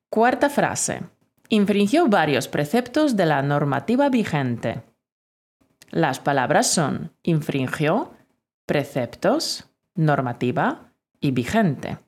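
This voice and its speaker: Slow, lively-voiced woman teacher dictating. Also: low voice. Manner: clear, deliberate dictation. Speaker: Spanish teacher. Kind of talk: spelling dictation lesson.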